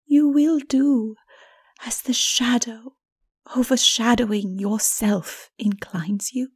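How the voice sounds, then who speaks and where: A woman voicing a sorrowful, righteous holy woman in a dark fantasy audiobook, breathy and often near a whisper, solemn and pleading. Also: on the high side, fairly even intonation, slow pace. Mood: gentle reproach.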